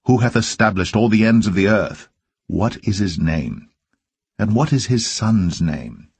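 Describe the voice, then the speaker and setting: A man with a low, husky voice reads archaic scripture in a solemn, deliberate way. Each verse is carefully phrased and measured. The sound is close and dry, with little sense of a room. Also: darkish tone, no room sound. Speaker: scripture reader. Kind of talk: solemn scripted Bible reading of archaic King James verse.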